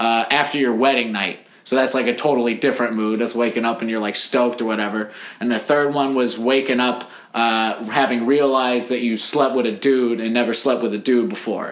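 A man with an American accent has an unremarkable speaking voice. His intonation is fairly even and his pace moderate. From US military town. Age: 20s. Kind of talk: casual chat.

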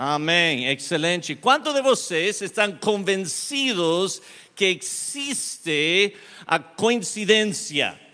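A man uses a raised, projected voice with a bright, sharp tone. His pitch is high and he speaks very slowly. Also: lively intonation. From Argentina. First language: Spanish (speaking Portuguese). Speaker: pastor. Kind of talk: sermon. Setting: church. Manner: halting.

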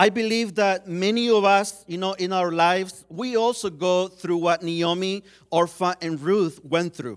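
A man's high voice in a Spanish accent, fairly slow, with ordinary pitch variation. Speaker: preacher. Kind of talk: sermon. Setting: church.

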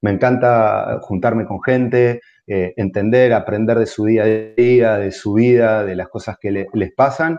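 A man speaks at a fairly slow pace and medium pitch, hardly pausing at all. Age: 30s. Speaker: human resources director. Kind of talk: interview. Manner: halting, repeats words.

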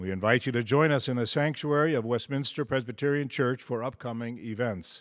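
Here is a normal speaking voice at a moderate pace with ordinary pitch variation, on a very clean recording with a silent background. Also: man. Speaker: pastor and forum moderator. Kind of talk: formal introductions and moderating. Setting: church sanctuary before live audience. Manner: formal.

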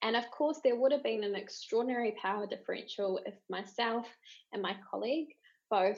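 A woman speaks with a New Zealand accent and ordinary pitch variation. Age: young. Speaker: design researcher. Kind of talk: conference talk.

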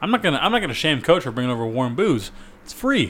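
A man speaks with very wide pitch swings. His voice has vocal fry. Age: 30s. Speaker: podcast co-host. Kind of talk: casual chat. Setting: studio.

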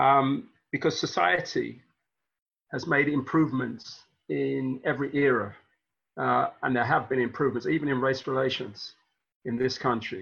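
Long pauses come often, though the talking itself keeps a moderate pace. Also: man. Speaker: heritage board member.

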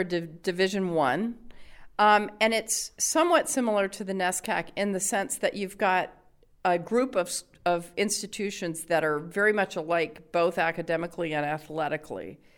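A woman talks in an ordinary speaking voice, her medium pitch and lively intonation paired with a moderate pace. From US South, Virginia. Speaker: college president. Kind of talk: interview.

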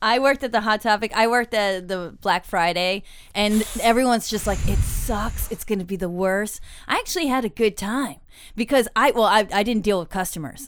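A woman with an unremarkable speaking voice talks at a fairly quick pace. Her pitch is fairly high, with ordinary pitch variation. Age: 30s. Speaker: podcast co-host and producer. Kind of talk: casual chat.

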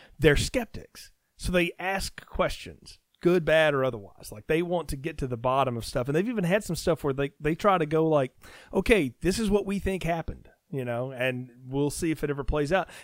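A man with an American accent and a plain, everyday voice speaks at a fairly high pitch and moderate pace with lively intonation. The recording is very clean with a silent background and a dry, close sound with no echo. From US South. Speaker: podcaster. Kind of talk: casual chat.

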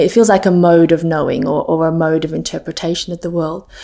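An Australian-accented woman speaks at a fairly quick pace in a dark, mellow tone at medium pitch. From Australia, Sydney. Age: young. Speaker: poet. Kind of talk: interview. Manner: halting.

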